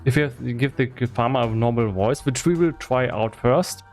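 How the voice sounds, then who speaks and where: A man talking casually and explaining on a livestream, thinking aloud in a halting way, with as his language. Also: mid-range voice, a little mellow, soft background music. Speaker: game developer streaming live. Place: indoor room with foam acoustic padding.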